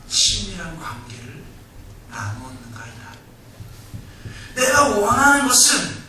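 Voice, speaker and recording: A man voicing God, speaking to a pastor in a slow, hushed, intimate way. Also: high-pitched, noisy background, pitched below the performer's own voice, exaggerated voice. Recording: echoey hall, far from mic.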